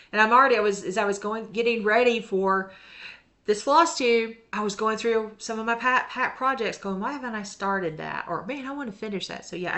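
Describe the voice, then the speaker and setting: Chatty, bright-voiced woman stitching vlogger. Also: a little high. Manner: chatty, rambling, laughs often. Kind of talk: casual show-and-tell chat.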